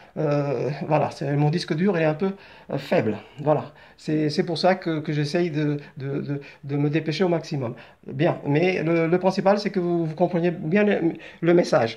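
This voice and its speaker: Against a quiet background, a man speaks at a fairly slow pace. His voice sits fairly high in pitch, with a dark, mellow tone. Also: ordinary pitch variation. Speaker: fan vlogger. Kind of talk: live video talk. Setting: live stream from phone. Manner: halting, many repetitions and fillers.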